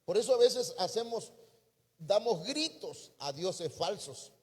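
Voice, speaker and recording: A man with a Mexican accent preaching a sermon as a pastor, breaking into sudden loud emphatic rises. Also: high voice, animated, slow, slightly rough. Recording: reverberant church hall.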